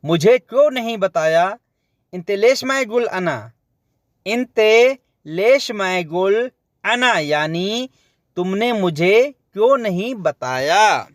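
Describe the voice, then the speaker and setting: A man's voice: high-pitched, lively intonation, takes it slowly, no echo, studio quality. A man teaching spoken Arabic phrases, repeating each one and explaining it word by word. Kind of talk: slow spoken-phrase lesson.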